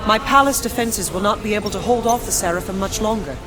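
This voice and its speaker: An actress playing a noble young female princess who speaks in a formal, measured way in a game. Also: medium pitch, over loud music, close to an everyday voice. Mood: dignified. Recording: game score under the voice.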